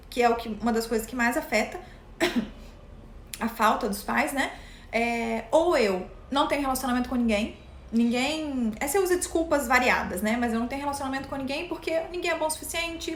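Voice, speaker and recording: A woman with a Brazilian Portuguese accent, speaking high in her range, chats directly with her viewers during a casual live session. Her voice carries a roomy echo, with a faint hiss underneath. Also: a bit bright. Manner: chatty, addresses viewers directly. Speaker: mental health content host.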